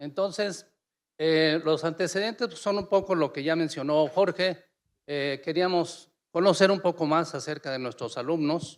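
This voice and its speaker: The recording is very clean, with a silent background. A man with a plain, everyday voice talks fairly slowly at a fairly high pitch, with ordinary pitch variation. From Mexico, Uruapan, Michoacán. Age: 60s. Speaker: researcher and university teacher. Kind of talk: conference presentation.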